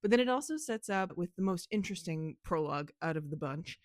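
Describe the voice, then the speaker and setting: Chatty woman with a lowish, dry voice. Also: a little fast, dry recording. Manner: animated, swearing, laughing often. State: losing her voice a little. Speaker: book vlogger and author. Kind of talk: casual chatty vlog.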